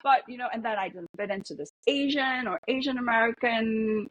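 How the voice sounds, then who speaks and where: A woman's voice: fairly high pitch, brisk, no room sound, muffled recording. A woman psychologist, originally from Korea with Korean as her first language, reflecting in a podcast interview with many fillers and restarts. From South Korea. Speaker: psychologist guest.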